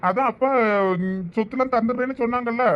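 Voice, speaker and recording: A man plays an anxious young nephew in a cartoon family feud, with a Thoothukudi Tamil accent, pleading quickly in a high voice. The recording sounds dull and lo-fi. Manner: pleading, placating. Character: anxious young adult nephew trying to make peace. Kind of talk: cartoon family drama voice acting.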